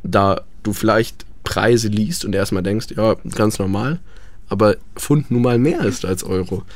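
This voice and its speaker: A man's voice: fairly low pitch, unhurried, dry recording. Young guy, dry close sound, lots of ähms, casual chat. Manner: hesitant, many ähm fillers. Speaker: guest.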